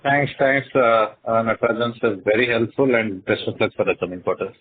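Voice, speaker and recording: A man asking questions as an analyst on an earnings call, in a husky voice. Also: fairly low pitch, a little fast. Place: phone call into a conference. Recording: narrow, tinny phone line.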